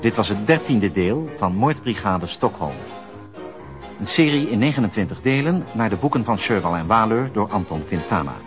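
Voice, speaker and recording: A man's voice: fairly low pitch, lively intonation, moderate pace. A man reading scripted closing credits as the announcer of a radio drama series. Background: music.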